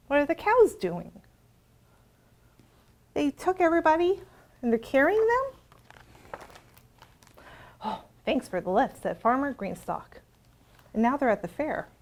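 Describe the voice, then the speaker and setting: A woman librarian leading an interactive storytime for young children, expressive and asking simple questions. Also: sits high, slow, long pauses.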